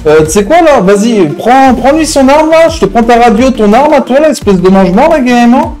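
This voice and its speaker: A man's voice: very high voice, lively intonation, fairly quick, a little mellow, faint music behind. A man playing a hot-headed, menacing gang member in an improvised online crime roleplay, talking in slang with repeated verbal tics. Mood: threatening.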